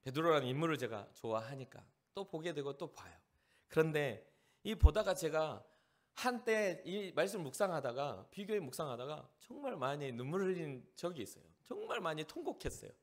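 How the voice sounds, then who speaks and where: Male pastor from Jeolla, fairly high, lively voice, preaching with animated storytelling. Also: moderate pace. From Jeolla, South Korea. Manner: animated, acts out the lines of the people in the story. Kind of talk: sermon to a youth service.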